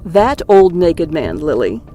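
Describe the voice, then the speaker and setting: A woman's voice: sits low, big pitch swings, slow pace, mellow, soft background music, exaggerated voice. A woman voicing a boyish husband in audiobook dialogue, childishly enthusiastic and easily wounded, with matter-of-fact phrasing. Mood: calm, deadpan.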